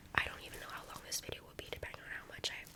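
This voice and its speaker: Over noticeable background noise comes the whisper of a woman. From Cambodia. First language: Khmer. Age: young. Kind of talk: ASMR whisper ramble. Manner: whispered.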